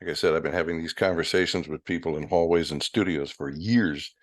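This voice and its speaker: An American man in middle age hosts a relaxed conversational interview. His voice is very deep, and he muses aloud in a halting, searching way. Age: middle-aged. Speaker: interview host.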